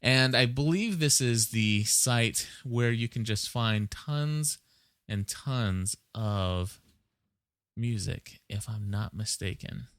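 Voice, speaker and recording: A man's voice: on the low side, takes it slowly, fairly bright tone, no room sound. A man hosting a podcast, rambling casually and conversationally as he thinks aloud and gives advice. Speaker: podcast host.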